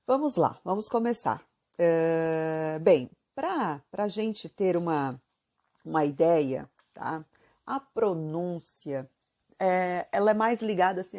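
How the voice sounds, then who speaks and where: A woman's voice: on the low side, dark tone. A woman from southern Brazil with a Santa Catarina accent, teaching Italian in a chatty video lesson and asking the viewer lots of questions. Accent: Santa Catarina Brazilian Portuguese. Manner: chatty, asks the viewer many questions, many fillers.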